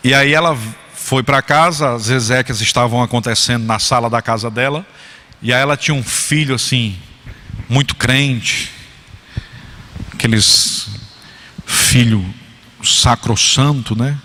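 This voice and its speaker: A man's voice: medium pitch, measured pace, pauses often, sharp tone, slight background noise. A man pastor preaching a sermon, telling humorous stories and putting questions to the congregation. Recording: church hall reverb.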